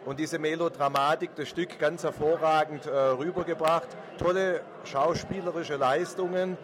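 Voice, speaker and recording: An effusive man with a slightly raised voice gives an audience-member verdict, stringing praise together with fillers. Crowd chatter is clear behind him, outdoors. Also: on the high side, fairly even intonation, normal speed. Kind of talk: vox pop interview.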